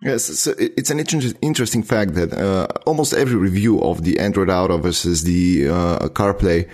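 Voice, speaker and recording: A man speaking English as a second language, hosting a casual tech chat and pausing often with fillers. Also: sits low, a little mellow. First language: not English. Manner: hesitant, many filler pauses.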